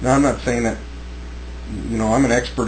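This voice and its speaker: Audible room echo and noticeable background noise surround a man speaking with a very deep, low pitch. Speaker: conspiracy video maker. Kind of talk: monologue. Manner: halting.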